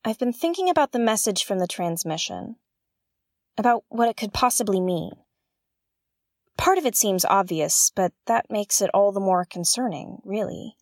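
Seeking an actress as an earnest female space sleuth for audio drama: mid-pitched, articulate, musing, with theatrical pauses. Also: lively intonation, dry recording, studio quality, close to an everyday voice. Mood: musing, troubled. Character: Nym, earnest woman investigator hosting her own space mystery show. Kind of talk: audio drama narration, like a spoken field log.

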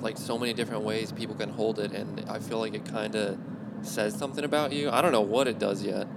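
A man's voice: on the low side, steady tone, fast, creaky. A man chatting casually and hesitantly, with slangy swearing, into a close handheld microphone in a moving car. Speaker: amateur stand-up comedian, podcast co-host. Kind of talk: casual chat between comics. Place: inside a car driving on the road. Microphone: handheld microphone held close to the lips. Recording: loud road noise inside moving car.

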